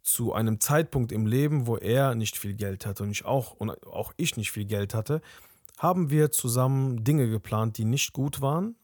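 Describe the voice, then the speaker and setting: A man's voice: medium pitch, moderate pace, darkish tone, no room sound, clean studio sound. Young man telling a candid personal story. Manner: candid, conversational, tags sentences with "ne?". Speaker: podcast host.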